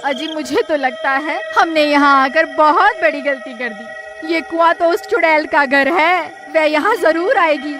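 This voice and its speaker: A woman's voice: high-pitched, unhurried. A woman voicing a fretful, complaining wife in a cartoon story, pleading and scolding. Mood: fearful. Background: music.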